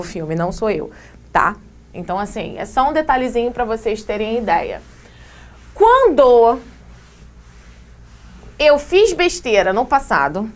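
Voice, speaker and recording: A woman with a Brazilian Portuguese accent teaching English grammar in a casual, slangy video lesson, reading example sentences slowly. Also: a little high. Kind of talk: video lesson for exam prep.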